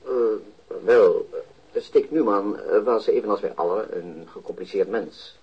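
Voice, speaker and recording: Cautious physician: lowish dark voice, hesitant, pedantic phrasing, muffled tape sound. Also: male voice, a little slow, husky, heavily acted. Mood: hesitant, dry. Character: evasive, pedantic male physician, dryly cautious. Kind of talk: radio drama dialogue. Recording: dull taped playback.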